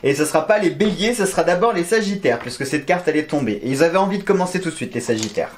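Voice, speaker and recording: A man's voice: fairly high pitch, animated, fast talker, a little hiss or hum. A man giving a casual weekly horoscope reading, joking around and counting scores aloud. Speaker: astrology and tarot reader.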